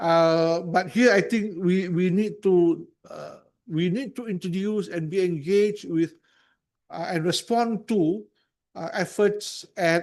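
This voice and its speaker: Against a quiet background, a man with a Malaysian accent and a high pitch speaks at a very slow pace with fairly even intonation. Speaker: professor giving a lecture. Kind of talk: lecture. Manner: halting, many fillers and repetitions.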